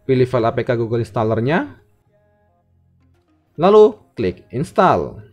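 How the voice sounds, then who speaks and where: Man, animated pitch, methodical tutorial narration, tech host, music behind. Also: unhurried, highs cut off. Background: background music.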